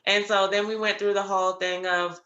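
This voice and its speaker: A woman's voice: medium pitch, fairly quick, reverberant, lo-fi sound. A woman attorney hosting an interview show, chatting and telling stories with plenty of ums. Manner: chatty, many ums, animated when quoting others. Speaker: attorney, podcast host. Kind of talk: conversational storytelling.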